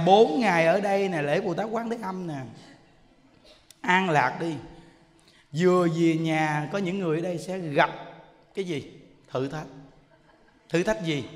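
A Buddhist monk, giving a sermon as a lively storyteller who often asks his listeners "see?". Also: high voice, long reverb tail. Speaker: Buddhist monk teaching dharma. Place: temple hall.

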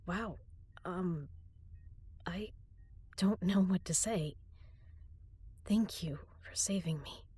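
A young woman performing an intimate audio drama as a frightened prisoner, speaking softly and often in a whisper. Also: lowish voice, takes it slowly, long pauses. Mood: tender. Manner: soft, breathy, often whispered.

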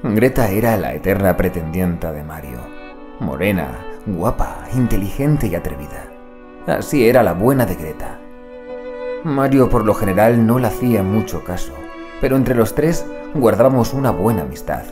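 Actor as Pablo, an animated, low-voiced anxious investigator. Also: male voice, normal speed, over music, lightly acted. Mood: brooding, dramatic. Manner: dramatic, brooding storytelling. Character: Pablo, anxious, excitable male investigator and narrator. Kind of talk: scripted audio drama narration and dialogue.

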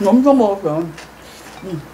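A mukbang host chatting casually to viewers with a mouth full of food, mumbling slowly between bites. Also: medium pitch, expressive, noisy background. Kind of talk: casual eating broadcast.

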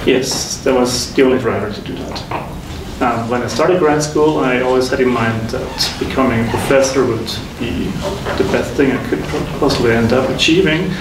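A man in his thirties from Switzerland, a faculty guest recounting his career path in a measured, reflective way. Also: medium pitch. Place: lecture room with whiteboards. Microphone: room mic from a distance. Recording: echoey room, distant mic, noisy.

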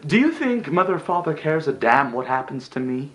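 A man performing a dramatic stage monologue as a bitter, jealous elder brother, sarcastic and emotional, moving between hushed delivery and outbursts. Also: fairly high pitch, sing-song, brisk, pitched above the performer's own voice.

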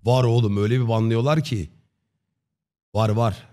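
A man in his thirties chatting casually on a livestream in a slangy, joking, deadpan way. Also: mid-range voice, moderate pace. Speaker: live streamer. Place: dim indoor streaming room. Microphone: close desk microphone with headset on.

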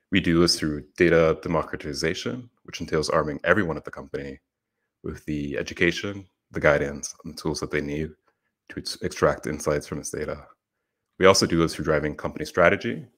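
Very deep-voiced young man presenting a talk. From Puerto Rico. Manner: earnest, steady explanatory delivery. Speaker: conference speaker. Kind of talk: prepared conference presentation. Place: small room at home. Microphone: headset.

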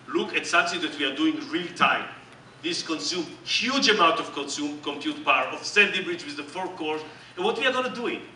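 Middle-aged Israeli-accented presenter, bright and emphatic, heard from the audience in a big echoey hall. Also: male voice, a little high, recorded from a distance, a little hiss or hum. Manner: animated, joking, emphatic and repetitive. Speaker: company executive presenting on stage. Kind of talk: keynote presentation. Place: large dark conference hall with audience.

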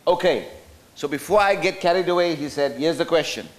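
The recording is rough as a middle-aged South African man, brisk and on the high side, delivers a slide talk at a roundtable via podium microphone in a hotel function room. He hesitates often, restarting sentences and filling pauses.

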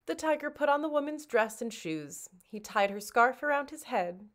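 A woman's voice: high-pitched, animated, moderate pace. Woman reading a storybook expressively. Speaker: children's librarian reading aloud.

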